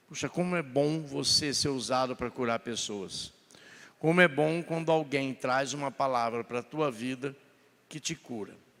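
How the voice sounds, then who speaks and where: With an unremarkable speaking voice, a man talks at a fairly slow pace, his pitch fairly high and its variation ordinary. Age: 60s. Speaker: pastor. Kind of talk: sermon. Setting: church.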